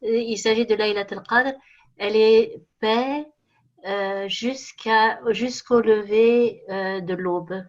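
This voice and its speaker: Woman hosting an online q&a, measured, sounds muffled and lo-fi. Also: medium pitch. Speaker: moderator. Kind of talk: hosting an online question session. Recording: muffled lo-fi line.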